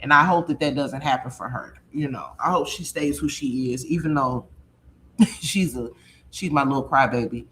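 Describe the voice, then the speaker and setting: A woman in her thirties from Chicago, hosting a casual livestream and reading chat in a blunt, animated, profane way with frequent laughter. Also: rumbling low, moderate pace, slight background noise.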